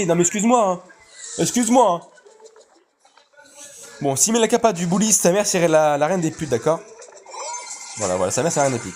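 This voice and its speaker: A man doing live gameplay commentary with casual, slangy chat, excitable and repetitive, swinging into high-pitched exclamations. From Congo. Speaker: video game streamer.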